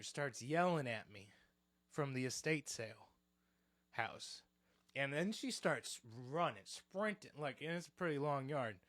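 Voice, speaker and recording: A man spins a story in loose, casual podcast chat, swearing freely and throwing himself into each quoted line. His voice sits a bit high for a man. The sound is close and dry, with no room echo. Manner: animated, profane storyteller who acts out quotes. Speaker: podcast co-host.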